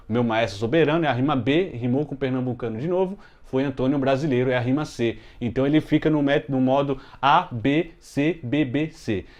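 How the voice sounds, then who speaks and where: A man from Brazil teaching a casual music lesson at home, explaining step by step with frequent "né?" tags and slowing down to scan verses syllable by syllable. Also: on the high side, a little mellow, highs cut off. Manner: explains step by step, many "né?" tags, slow deliberate scanning of verses. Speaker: music teacher, channel host. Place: home room with closed window, children heard outside.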